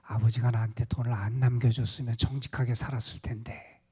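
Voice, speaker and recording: A man's voice: medium pitch, little pitch movement, brisk, warm tone, breathy edge. A man voicing a grown son who angrily blames his father for his ruin, told as a story within a sermon. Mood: resentful. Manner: angry, accusing. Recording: long church reverb.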